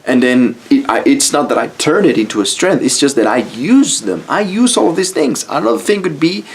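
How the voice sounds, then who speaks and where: A man's voice: on the high side, very animated, a little fast. Mexican-accented man giving blunt advice. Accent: Mexican Spanish. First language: Spanish. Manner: blunt, casual, swears freely. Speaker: YouTube style coach. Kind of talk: motivational talk to camera.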